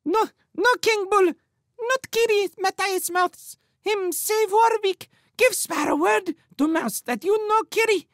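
A man acts out a protective female sparrow from a storybook. The voice is extremely high and sharp, pleading urgently in short, broken phrases. It sounds frantic and fierce in defense of others. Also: slow pace, no room sound, studio quality, full character voice. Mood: urgent appeal.

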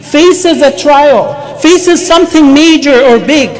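A man in his thirties with an Arabic accent preaches as an imam, emphatic and halting, repeating words as he goes. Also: very high voice, low-quality recording. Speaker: imam giving a Friday sermon. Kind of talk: sermon with Arabic recitation and English explanation. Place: mosque, speaking from a wooden pulpit.

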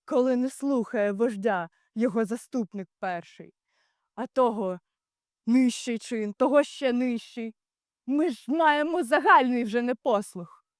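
A young woman playing a wise, stern male Greek commander in a theatrical Shakespeare monologue, declaiming in deliberate, rhetorical phrases. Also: a little high, no room sound, studio quality, lightly acted. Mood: grave warning. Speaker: drama student.

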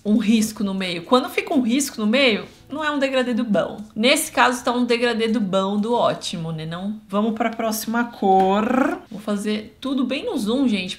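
A woman, chatting casually to viewers as she tests art markers close up. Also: fairly high pitch. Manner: chatty, talks to viewers while drawing. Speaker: art youtuber testing markers.

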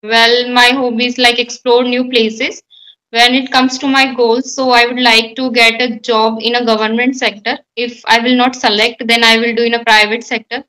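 Speaking from an indoor room at home over a webcam, this young woman from India, a native speaker of Hindi and Marwari, joins an English practice conversation and answers with care, thought, and light laughter. Her accented English comes out fairly high, pushed and bright, at a moderate pace with little pitch movement. The recording is rough.

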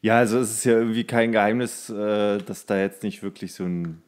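A man's voice: lowish voice, steady tone, a little fast, a little mellow, clear, resonant tone. A man chatting casually and wryly as a podcast co-host. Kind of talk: casual chat.

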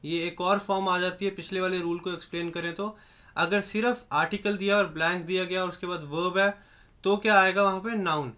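A young man with a high, bright voice teaches grammar rules step by step. He explains in Hindi and reads each English example sentence slowly, word by word, as a patient instructor. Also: fairly even intonation. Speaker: language teacher. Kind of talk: explanatory lesson.

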